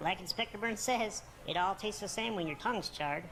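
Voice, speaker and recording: Over clear background noise, a man rattles along at a very fast pace in a put-on character voice with high pitch. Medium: video game. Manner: chatty.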